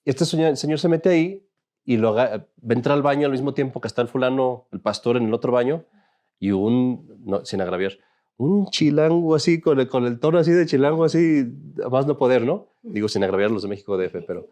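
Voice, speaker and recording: A man's voice: medium pitch, lively intonation, fairly quick, dark tone. A man, a Catholic priest, teaching an informal class in a conversational, joking way and often asking his listeners questions.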